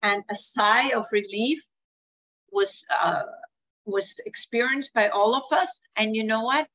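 A woman's voice: on the high side, unhurried, fairly bright tone. An older woman with a Swiss accent, speaking earnestly on a video call and telling family stories about care planning. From Switzerland. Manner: earnest, storytelling, acts out quoted family voices. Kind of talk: webinar talk with anecdotes. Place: home room, indoors.

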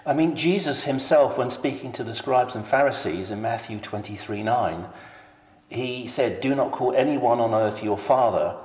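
A man's voice: medium pitch, moderate pace, darkish tone, echoey room, long reverb tail, low-quality recording. Earnest man quoting scripture on a call. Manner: earnest, quotes scripture at length. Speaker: caller questioning a church. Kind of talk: recorded phone call debate.

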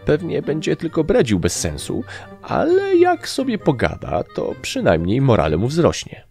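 A man voicing a calm male soldier comrade who talks in a soothing, persuasive way. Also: fairly high pitch, normal speed, vocal fry, faint music behind, voice pushed up, full character voice. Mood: coaxing.

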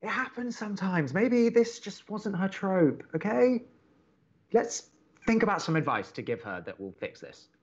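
A man plays an earnest young college radio co-host in an audio romantic comedy. His pitch moves around a lot as he hesitates and stammers reassurances. The sound is slightly dull. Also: very animated, normal speed, slightly rough, exaggerated voice. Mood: anxious, reassuring. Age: young adult. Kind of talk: naturalistic romantic comedy podcast acting.

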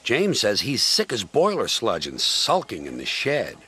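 A man's voice: on the low side, wildly swooping pitch, a little slow, sharp tone, breathy edge, exaggerated voice. A man voicing a big, proud male express engine with a hearty, gloating manner.

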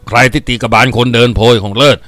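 A man doing a gruff old headman boss. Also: medium pitch, quick pace, fairly bright tone, dry recording, lightly acted. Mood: brooding. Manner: gruff, brooding, commanding. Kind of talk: audiobook character reading.

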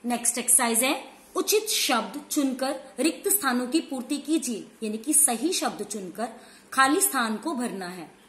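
A woman's voice: a little high, lively intonation, a bit bright, echoey room. A woman teacher giving a lesson to young children, asking questions and answering them herself, then spelling words out letter by letter. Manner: explains slowly, spells words letter by letter, asks and answers her own questions. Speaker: school teacher. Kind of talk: online class lesson. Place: room at home.

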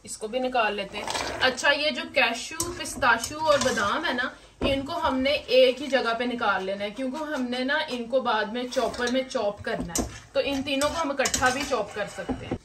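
A woman's voice: high voice, moderate pace. A woman hosting a cooking video in her home kitchen, chatting through each step as she cooks. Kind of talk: casual cooking demonstration. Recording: distant mic with noisy kitchen background.

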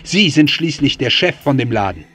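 A man's voice: medium pitch, very animated, moderate pace, fairly bright tone, faint music behind. Menacing, bitter man seeking revenge. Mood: bitter, sardonic. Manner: menacing, sardonic, controlled. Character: vengeful, bitter man holding a family at gunpoint. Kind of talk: German audio drama acting.

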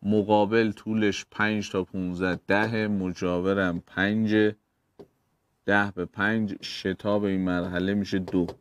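Smooth-voiced man teaching physics. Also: on the low side, level tone, dry recording. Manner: explains step by step, addresses students directly. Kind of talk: exam problem walkthrough.

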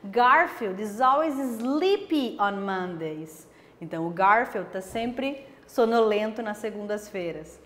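A woman teacher from Brazil giving an online lesson, explaining patiently and slowing down for example phrases. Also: mid-range voice, lively intonation, long reverb tail, slight background noise. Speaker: language teacher.

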